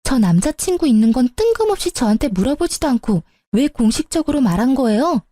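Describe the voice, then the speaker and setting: A woman's voice: high-pitched, big pitch swings, brisk, dark tone, no room sound. Woman doing a petulant sister-in-law, whiny, indignant, close dry sound. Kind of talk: story radio drama reading.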